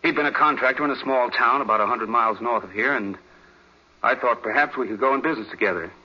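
A man's voice: mid-range voice, fast talker, husky, lightly acted. An American actor playing a bitter, boastful, resentful young man in a 1940s radio drama. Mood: boastful, confiding. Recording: muffled vintage 1940s radio recording.

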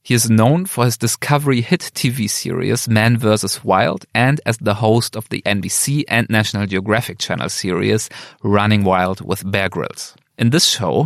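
A man's voice: fairly low pitch, vocal fry, no room sound, clean studio sound. A man with a German accent reading a scripted podcast introduction as the host. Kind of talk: scripted narration introducing an episode.

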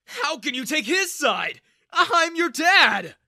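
A storyteller voicing a scornful middle-aged father who sneers and shouts, in a high, loud put-on voice. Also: sing-song, normal speed, no echo, studio quality, heavily acted. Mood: furious.

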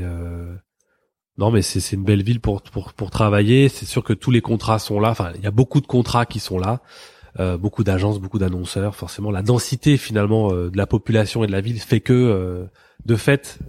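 Hesitant low-voiced man chatting. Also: a little mellow, dry recording. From France, Paris area. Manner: hesitant, many fillers and restarts. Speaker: creative agency co-founder, guest. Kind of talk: casual interview chat.

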